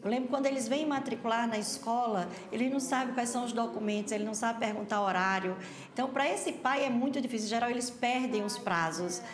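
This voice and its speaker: A woman's voice: on the high side, quick pace, roomy sound, crowd noise. A woman on school staff with a Brazilian accent, explaining her work earnestly in a documentary interview. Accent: Brazilian Portuguese.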